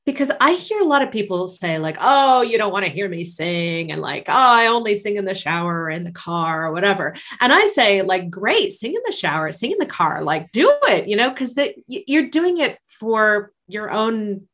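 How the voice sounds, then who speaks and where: A woman's voice: medium pitch, very animated, normal speed, few pauses, fairly bright tone. A woman guest on a podcast, a singer and life coach, talking in a casual, enthusiastic and encouraging way and laughing often.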